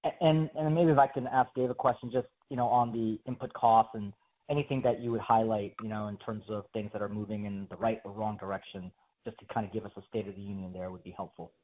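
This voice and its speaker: Fast-talking male analyst on the phone. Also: on the low side, fairly even intonation. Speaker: financial analyst. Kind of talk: earnings call questions. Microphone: phone line. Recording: narrow phone line.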